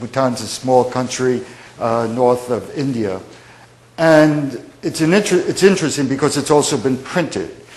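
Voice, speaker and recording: A man at medium pitch and moderate pace, ordinary pitch variation, with audible room echo. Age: old. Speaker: professor. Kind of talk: lecture. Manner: halting.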